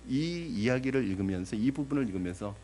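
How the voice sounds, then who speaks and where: With a warm, animated mid-range voice at a fairly quick pace, a pastor addresses his congregation through rhetorical questions and acts out the parable's voices theatrically. There's slight background noise.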